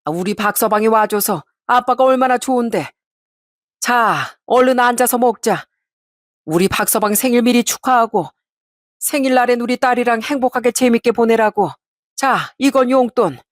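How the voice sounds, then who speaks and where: A woman voicing a kind, middle-aged father who gently coaxes his family in an audio story. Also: a little high, normal speed, no echo, studio quality, voice pushed up, natural voice. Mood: affectionate. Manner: gentle, coaxing.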